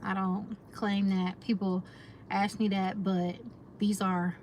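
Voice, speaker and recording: A woman's voice: mid-range voice, little pitch movement, slow pace, a little mellow, a little hiss or hum. An American woman with an African American accent in her thirties, chatting casually to her viewers about self-care and style, talking to them directly. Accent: African American English. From United States. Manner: chatty, addresses viewers as y'all, reflective. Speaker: lifestyle vlogger.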